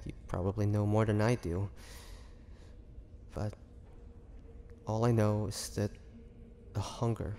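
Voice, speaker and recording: A man playing a weary, bitter young half-vampire prisoner in a dramatic audio roleplay, speaking haltingly and sorrowfully. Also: on the low side, vocal fry, warm tone. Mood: resigned, weary. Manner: slow, halting, sorrowful delivery with sighs and pauses. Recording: long hall reverb, faint noise.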